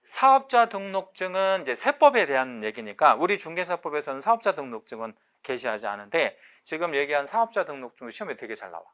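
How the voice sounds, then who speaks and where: A man's voice: fairly high pitch, a bit bright. A male lecturer teaching an online exam-prep class, quizzing his students with questions and drilling key terms by repeating them. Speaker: real estate agent exam lecturer.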